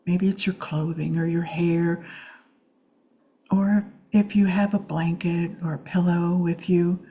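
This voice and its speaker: Female meditation guide: lowish, soft-toned and mellow, soothing, unhurried delivery with long pauses. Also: steady tone, lo-fi sound. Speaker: meditation teacher. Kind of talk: guided Yoga Nidra meditation.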